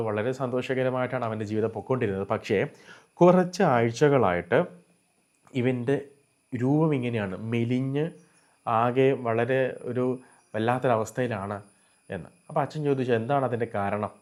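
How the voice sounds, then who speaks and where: A man's voice: medium pitch, normal speed, pauses often, a little mellow. A man with a Malayali accent hosting a Catholic channel, earnestly and animatedly retelling a religious story with English words mixed in. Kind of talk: chanted Latin prayer.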